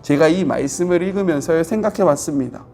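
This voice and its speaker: A man's voice: fairly high pitch, quick pace, creaky, mellow, faint music behind. A middle-aged man preaching a devotional sermon as a pastor, explaining scripture earnestly and voicing the quoted lines with growing intensity.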